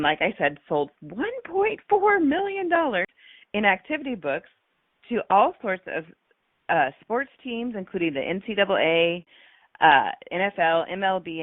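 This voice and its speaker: Sounding a bit hoarse from a cold, this female radio host speaks on the low side, eagerly bringing in her guest with frequent ums and uhs. It's a scripted introduction and chat with no room sound, carried over a tinny phone line.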